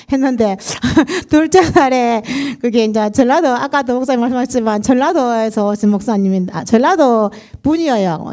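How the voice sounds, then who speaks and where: Telling her personal story to a church congregation, this chatty middle-aged woman with a Gyeongsang accent, from Daegu in South Korea, frequently laughs and performs other people's lines. Her voice runs on the high side with a darkish tone.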